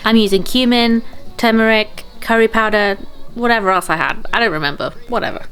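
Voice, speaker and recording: A woman's voice: fairly high pitch, brisk, fairly bright tone. A woman giving casual cooking vlog narration, chatty and dryly humorous.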